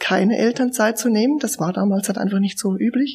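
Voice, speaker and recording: A woman with an unremarkable speaking voice, ordinary pitch variation and a fairly quick pace. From Switzerland. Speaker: neurology researcher. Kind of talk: casual chat.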